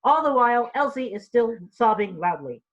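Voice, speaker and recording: A woman narrates stage directions through slightly dull, lo-fi audio. Her voice is fairly high, and her informal scripted reading has small stumbles and repeats. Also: sing-song, normal speed.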